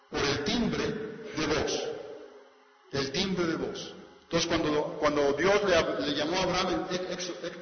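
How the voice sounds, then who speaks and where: High-voiced man preaching in an echoey hall. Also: slight background noise. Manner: rhetorical questions to the congregation; repeats and restarts phrases. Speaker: pastor. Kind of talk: sermon. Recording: echoey hall, dull lo-fi sound.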